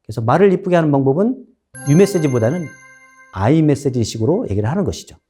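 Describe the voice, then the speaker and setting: Male lecturer, animated storytelling, a lively, rising and falling voice. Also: on the high side, fast, music in the background. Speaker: instructor.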